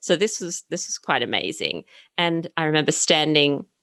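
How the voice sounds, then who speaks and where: A woman with an Australian accent, the sound dry and close with no echo. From Australia, Sydney. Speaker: historian and author. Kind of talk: interview.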